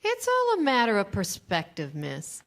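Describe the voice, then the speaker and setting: A woman's voice: medium pitch, wildly swooping pitch, normal speed. A woman playing a coolly condescending villain boss in a staged comedy reading. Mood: smug, commanding.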